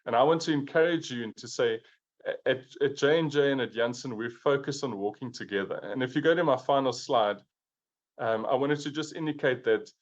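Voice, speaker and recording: A man's voice: mid-range voice, highs cut off. A man from South Africa giving an earnest conference presentation as a pharmaceutical executive, often repeating words as he restarts. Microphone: remote video call.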